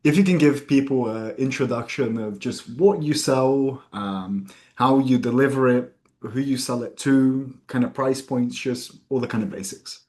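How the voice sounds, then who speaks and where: A man hosting a casual interview, relaxed and encouraging, sometimes stumbling over repeated words. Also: medium pitch, measured pace. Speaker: program owner, interviewer.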